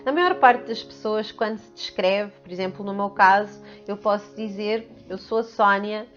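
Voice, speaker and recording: A woman's voice: mid-range voice, moderate pace, muffled recording, soft background music. A woman with a European Portuguese accent, hosting a spiritual video with earnest, emphatic speech and much repetition. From Portugal and the Netherlands. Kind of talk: spiritual talk to camera.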